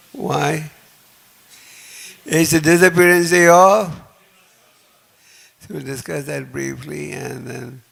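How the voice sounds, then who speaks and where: A soft-spoken man giving a measured lecture at a temple program, speaking into a mic for a gathered audience. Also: fairly high pitch, vocal fry. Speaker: spiritual teacher. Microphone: handheld or stand mic, speaking to a gathered audience.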